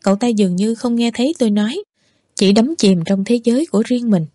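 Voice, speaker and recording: A woman reading a novel aloud as an audiobook narrator, in steady, measured first-person narration. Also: on the high side, dry recording, clean studio sound.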